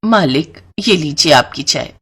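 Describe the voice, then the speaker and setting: Woman playing a sly, husky greedy maidservant. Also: deep voice, lively intonation, measured pace, fairly bright tone, exaggerated voice. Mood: dutiful, sweet. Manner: sugary coaxing talk, calculating asides. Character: greedy scheming middle-aged maidservant, falsely sweet mother.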